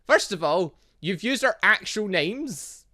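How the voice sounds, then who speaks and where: A man's voice: high-pitched, lively intonation, slow pace, bright, forceful tone, pitched above the performer's own voice, full character voice. A man voicing an awkward, earnest, bewildered young male student in a visual novel game, hesitant and flustered. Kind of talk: visual novel game dialogue read aloud.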